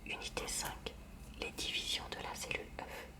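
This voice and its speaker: A woman reading a textbook aloud in a hushed library whisper for ASMR, with short informal asides. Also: normal speed, recorded from a distance.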